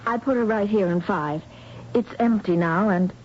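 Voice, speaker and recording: An actress playing an earnest, compassionate, defiant young clinic worker in a radio drama, with emotional delivery. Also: female voice, medium pitch, normal speed, close to an everyday voice. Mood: polite, hesitant. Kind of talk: radio drama acting and narration. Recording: dull, noisy old radio broadcast.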